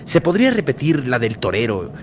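A man reading an audiobook aloud, expressive and dramatic, voicing a first-person narrator. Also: mid-range voice, a little fast, a little hiss or hum. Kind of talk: audiobook reading with character voices.

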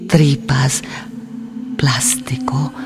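An actress playing an immigrant woman in a radio drama, with a foreign accent and halting, broken Spanish full of searching hums. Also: rumbling low, big pitch swings, music in the background, exaggerated voice. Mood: chatty, hesitant. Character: slow, halting immigrant woman explaining recipes and family troubles.

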